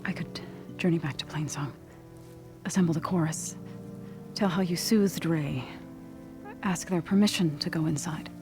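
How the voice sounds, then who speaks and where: Woman acting as solemn tribal woman, low voice, formal and measured phrasing, earnest, video game cutscene, music behind. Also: lightly acted. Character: solemn, earnest tribal woman who petitions her elders.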